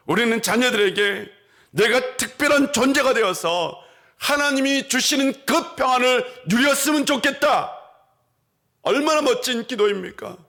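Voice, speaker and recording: A male pastor preaching a Sunday sermon in a church, asking the congregation questions and answering them, and acting out quoted voices. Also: sharp tone. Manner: acts out quoted voices in a higher pitch. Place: church sanctuary.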